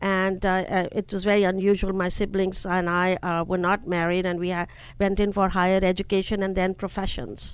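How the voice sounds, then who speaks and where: A woman with an Indian accent speaks fairly quickly at a medium pitch, with hardly any pauses and monotone, flat intonation. The recording is very clean, with a silent background. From India, New Delhi. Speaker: tech company founder and CEO. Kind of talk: interview.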